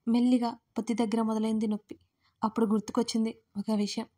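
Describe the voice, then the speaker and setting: A woman's voice: on the high side, level tone, fast talker, mellow, husky. Woman narrating an audio story.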